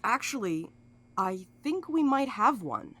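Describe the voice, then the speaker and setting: An actress in an audio drama playing a cynical, sharp-tongued schemer with a wry, blunt, folksy way of talking. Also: female voice, on the high side, big pitch swings, takes it slowly, exaggerated voice. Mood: scheming.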